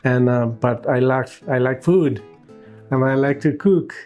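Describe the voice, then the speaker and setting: A man in his sixties from Cuba with a Cuban accent and Spanish as his first language, answering interview questions casually and haltingly as a food truck owner. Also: mid-range voice, darkish tone, lo-fi sound, faint music behind. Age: 60s. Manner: halting, searching for words.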